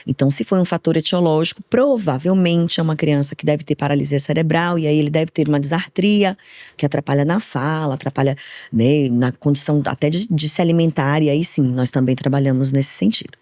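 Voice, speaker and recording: Woman in her 40s chatting fast as a podcast guest, dry close sound. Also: sits low, dry recording. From Brazil, from Minas Gerais, raised in Bahia. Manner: fast, lively storytelling. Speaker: guest, speech therapist. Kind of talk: podcast interview.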